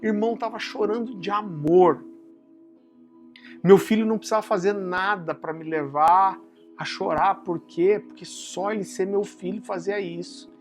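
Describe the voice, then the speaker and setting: A man with a Brazilian Portuguese accent preaching a sermon, telling warm family stories that he turns to a solemn point, often calling his listeners brother. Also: fairly even intonation, moderate pace, faint music behind. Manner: drops low and soft for solemn points. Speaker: pastor.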